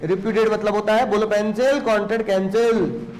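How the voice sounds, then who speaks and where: A man's voice: sits high, flat delivery, fairly quick, darkish tone. A man teaching a law class, teasing and scolding students with lots of rhetorical questions. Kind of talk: classroom lecture.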